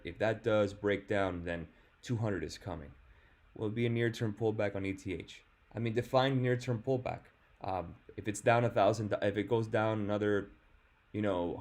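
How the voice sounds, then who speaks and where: A man hosting a casual market commentary stream, answering viewer questions in a relaxed, offhand way, his voice a bit hoarse from a sore throat. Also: lowish voice. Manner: relaxed, chatty and offhand, with fillers. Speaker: stock market show host. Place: hotel or temporary spot, away from home.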